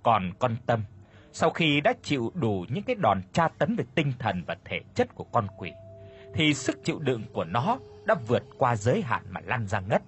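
A man narrating a ghost story in a dramatic, expressive storytelling manner. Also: medium pitch, normal speed, soft background music.

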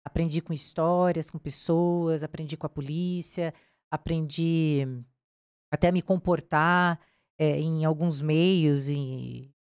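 A woman's voice: low-pitched, takes it slowly, clear, resonant tone, no room sound, clean studio sound. A woman with a Brazilian accent, a crime reporter telling her story in a casual interview and acting out what people said. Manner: animated, acts out quoted dialogue.

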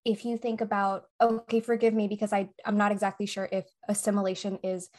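Young woman on a podcast, mid pitch, careful and thoughtful when she talks. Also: flat delivery, a little fast, darkish tone. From United States. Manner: thoughtful, explains carefully, asks for clarity. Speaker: podcast co-host. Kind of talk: casual chat.

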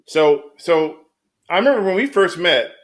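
A man's voice: sits high, lively intonation, normal speed. A man hosting a podcast over a video call, chatty and a little flustered. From United States. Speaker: podcast host. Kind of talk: casual online interview.

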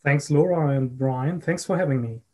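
A man with a German accent speaks as a consultant guest in an interview. His voice is soft-edged and mellow, and his delivery is measured, with halting phrases. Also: a little high. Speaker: guest, risk and crisis management consultant. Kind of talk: podcast interview answers.

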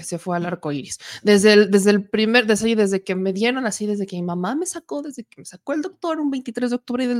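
A Mexican woman in her thirties hosts a casual political talk show. She chats and jokes, throws asides to her producer, and sounds a little worn from an allergy cough. Her pitch sits in the middle range. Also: darkish tone. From Puebla, Mexico. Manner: chatty and joking, with asides to the producer. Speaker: political commentary host.

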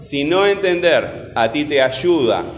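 A man's voice: a little high, animated, takes it slowly, faint music behind. A man teaching a class, firm and insistent, often checking in with "¿verdad?". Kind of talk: classroom teaching and scolding a student. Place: school classroom. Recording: echoey classroom.

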